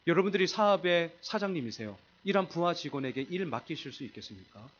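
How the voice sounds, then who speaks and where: Emphatic Korean pastor preaching a sermon. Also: male voice, on the high side, animated, quick pace, muffled recording. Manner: emphatic, rhetorical questions, swings between loud and hushed. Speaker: senior pastor. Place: church sanctuary.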